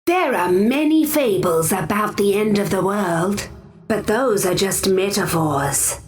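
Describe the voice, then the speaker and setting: A woman playing a solemn tribal lore keeper from a fantasy game, explaining with measured certainty. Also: mid-range voice, expressive, faint music behind.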